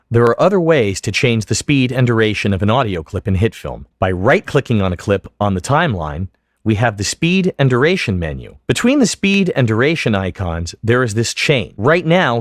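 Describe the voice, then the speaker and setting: A man giving scripted, methodical step-by-step instruction as a software tutorial narrator. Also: medium pitch, no echo, studio quality. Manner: clear, methodical, step-by-step explanation. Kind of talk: scripted instructional narration over screen demo.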